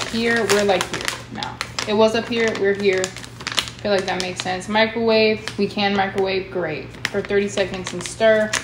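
Moderately paced speech from a woman, with noticeable background noise behind it. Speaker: home cooking show host. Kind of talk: casual cooking tutorial. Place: kitchen.

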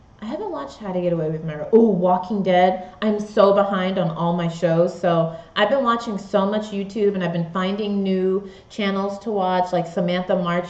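Audible room echo fills the recording. The speech moves at a fairly quick pace with ordinary pitch variation. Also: woman. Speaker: beauty YouTuber. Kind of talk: live stream chat. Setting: live stream at home. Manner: excitable. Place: home room.

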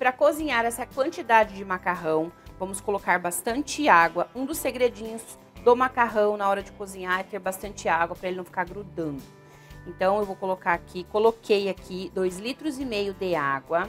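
A woman speaks at a moderate pace, her loudness rising and falling sharply, with faint music behind her. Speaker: home cooking channel host. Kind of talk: tutorial. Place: kitchen.

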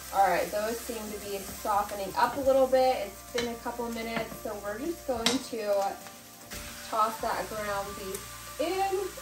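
Clear music plays behind speech that moves at a fairly slow pace with big swings in loudness. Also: woman. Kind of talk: casual cooking tutorial. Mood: cheerful, relaxed. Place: kitchen.

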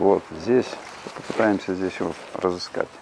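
A man speaks at a very slow pace and a fairly low pitch, with ordinary pitch variation. The sound is dry with no echo, and there is light background noise. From Moldova. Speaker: walnut farmer and orchard expert. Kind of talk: on-site instructional demonstration. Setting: outdoors in a garden plot. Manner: informal, explanatory. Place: garden. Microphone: phone near.

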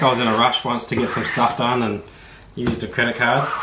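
A man talks at a fairly quick pace. There is noticeable background noise. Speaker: DIY vlogger. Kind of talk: casual tutorial chat. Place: home room. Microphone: camera far.

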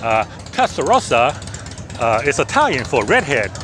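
Noticeable background noise around a man, the sound dry with no echo. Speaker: car show vlogger. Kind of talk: casual vlog commentary. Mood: relaxed, enthusiastic. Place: street. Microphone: phone near.

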